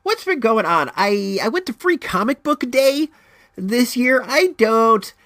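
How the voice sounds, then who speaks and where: A man hosting his own podcast chats in a casual, wandering way, with frequent restarts and animated swings, his allergies leaving him congested; he is from Northern California. His voice is very high and unhurried. The audio is studio quality without echo.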